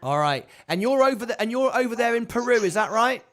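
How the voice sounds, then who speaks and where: A chatty male host running a live call-in show, talking in a high, light voice. He rattles on, repeats phrases and trips over his words as he keeps things moving. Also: lively intonation, fast talker, a bit bright. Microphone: video call.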